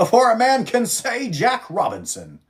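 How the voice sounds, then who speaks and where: Putting on a character voice, a man talks at a moderate pace with an extremely high pitch and lively intonation. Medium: read story. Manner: jovial, hearty.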